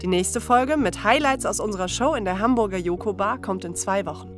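A woman's voice: medium pitch, fairly quick. A woman co-hosting a podcast, reading the scripted outro in a friendly way. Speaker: podcast co-host. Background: music.

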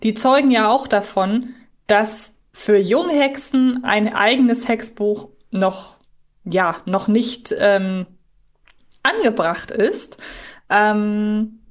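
A woman's voice: mid-range voice, slow pace. A woman co-hosting a fan podcast, explaining details analytically in a conversational way. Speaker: podcast co-host.

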